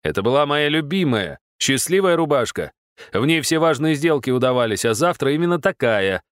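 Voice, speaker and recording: Brief: smug scheming man, read by a male narrator, deep and dry, audiobook. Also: animated, fairly quick, no room sound, close to an everyday voice. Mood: grumbling.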